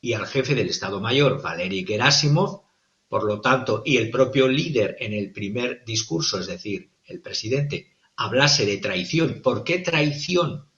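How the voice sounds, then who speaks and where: A male political analyst giving formal, methodical commentary, often pausing on "eh" between points. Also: medium pitch, expressive, a bit bright, lo-fi sound. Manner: formal and methodical, with frequent hesitations.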